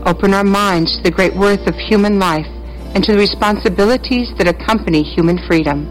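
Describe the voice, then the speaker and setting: A woman reading a prayer aloud, slow and solemn. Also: medium pitch, soft background music, rough recording. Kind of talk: recited prayer.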